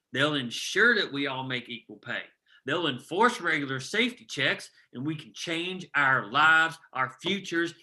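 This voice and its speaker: Man acting a forceful, bright-voiced rebel coal miner. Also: fairly high pitch, full character voice. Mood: rousing, urgent. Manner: forceful, folksy, plain-spoken and profane. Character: defiant, rousing coal miner and union organizer. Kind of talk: dramatic script table read.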